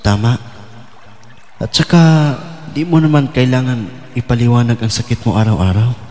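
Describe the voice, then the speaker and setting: A man's voice: mid-range voice, normal speed, darkish tone, natural voice. An actor playing a troubled, doubting young man in love in an audio drama, speaking in a brooding, vulnerable, hesitant way. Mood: wistful. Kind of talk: Filipino audio drama acting, intimate dialogue. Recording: long hall reverb over music.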